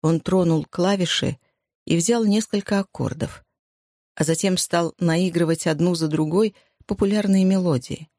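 A woman narrating a novel calmly and evenly as an audiobook reader. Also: on the low side, moderate pace, no room sound, clean studio sound. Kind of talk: scripted narration.

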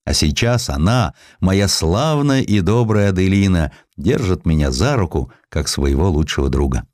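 A man's voice: low-pitched, lively intonation, moderate pace, darkish tone, no room sound, clean studio sound. A man voicing a humble, good-hearted sailor turned postman, speaking with earnest feeling in an audiobook. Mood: modest, affectionate.

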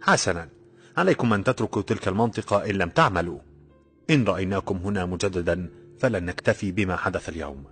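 A man's voice: sits low, fast, fairly bright tone, breathy edge, soft background music, heavily acted. A man voicing a fiery young male laborer who speaks in a stern, commanding way. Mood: angry.

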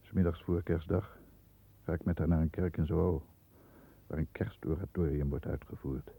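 A man acting a stern, proud middle-aged lawyer in a 1960s radio play, speaking with formal, measured diction. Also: a bass voice, fairly even intonation, creaky, mellow, husky, exaggerated voice. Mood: brooding, uneasy. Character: stern, proud male lawyer protecting the family name. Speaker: actor in a radio drama. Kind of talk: 1960s Dutch radio play acting, first-person narration and dialogue. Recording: muffled, thin 1960s radio recording.

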